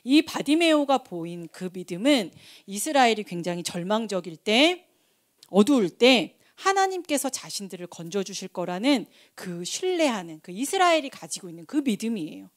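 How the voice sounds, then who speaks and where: A woman preaching a sermon, telling a Bible story with lively acted-out shouts and quoted dialogue. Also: mid-range voice, moderate pace.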